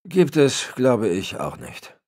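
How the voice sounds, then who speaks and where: A man's voice: mid-range voice, huge pitch swings, slow pace, a little mellow, pitched above the performer's own voice, exaggerated voice. Man voicing a wry, easygoing guy.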